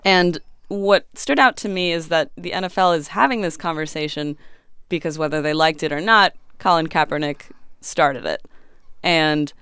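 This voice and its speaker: A woman on a podcast panel, measured and analytical, on a close studio mic. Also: low-pitched, a bit bright, smooth, no echo. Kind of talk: casual panel discussion.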